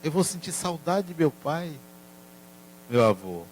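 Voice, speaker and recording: A man voicing his sad four-year-old grandson, speaking softly and plaintively through tears. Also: on the high side, very animated, measured pace, slight background noise. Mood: sad, tearful.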